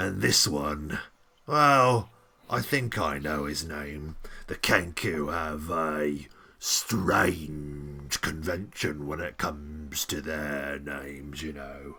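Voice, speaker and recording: Using a put-on character voice, a man speaks very slowly in a raspy, very deep, low pitch. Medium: actual play. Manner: folksy, casual.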